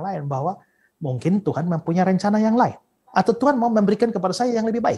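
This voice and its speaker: Lively in intonation and high in pitch, the man talks at a very fast pace. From Indonesia. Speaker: pastor. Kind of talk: testimony and Bible teaching interview. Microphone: webcam.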